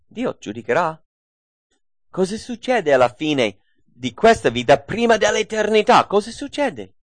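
A man's voice: sits high, sing-song, a little slow, no room sound. A man preaching a sermon, repeating key phrases and asking rhetorical questions.

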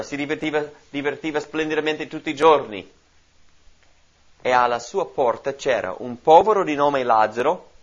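A man teaching from the Bible in a sermon, explaining and asking his listeners questions. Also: medium pitch. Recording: dull lo-fi recording.

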